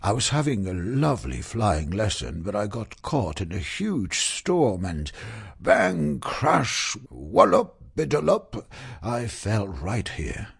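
A man's voice: lowish voice, very animated, a little slow, few pauses, husky, voice pushed up, full character voice. A man voicing a friendly, clumsy young dragon who babbles in a flustered way.

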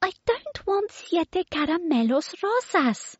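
Woman putting on a bossy baby girl voice, very high, whiny, slow and drawn out, giggly. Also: big pitch swings, no echo, lo-fi sound, full character voice. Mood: demanding. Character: demanding talking baby girl, bossy and picky.

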